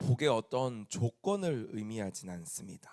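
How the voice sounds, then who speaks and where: A man at medium pitch speaks at a very slow pace on a very clean recording with a silent background. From Jeolla region, South Korea. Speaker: pastor. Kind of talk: sermon. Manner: conversational, many filler sounds.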